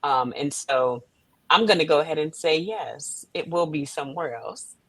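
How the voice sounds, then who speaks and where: A woman's voice: low-pitched, lively intonation, normal speed, fairly bright tone, slightly rough, no echo, poor audio. A woman guest talking conversationally in an interview, earnest and emphatic. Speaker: playwright and director, guest.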